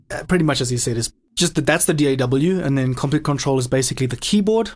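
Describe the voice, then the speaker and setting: A man's voice: medium pitch, darkish tone. Man, upbeat, chatty, music producer and DJ. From South Africa. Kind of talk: casual interview chat.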